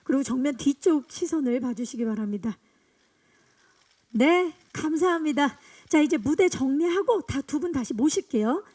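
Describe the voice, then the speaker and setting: Bright-voiced woman emceeing a press event. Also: sits high, animated, normal speed. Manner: upbeat, directing photo poses. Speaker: event host.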